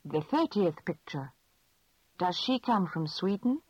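A woman asking measured, clearly spoken questions in a scripted language lesson drill. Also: fairly low pitch, very animated, darkish tone, no echo. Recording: dull lo-fi dry recording.

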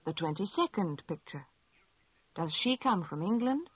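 A woman asking measured, clearly spoken questions in a scripted language lesson drill. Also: on the low side, very animated, no echo. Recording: dull lo-fi dry recording.

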